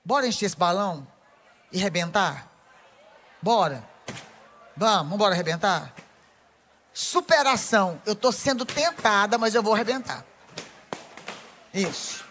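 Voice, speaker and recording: Speaking at normal speed in a medium pitch and pausing often, a Brazilian Portuguese–accented woman preaches a lively sermon to women. She is playful and teasing, speaking directly to those gathered.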